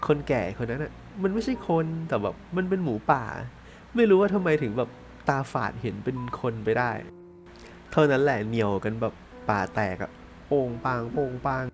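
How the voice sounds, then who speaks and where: A man narrating a ghost story in a casual, chatty podcast style, dropping to hushed tones for suspense. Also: medium pitch, big pitch swings, normal speed, faint music behind.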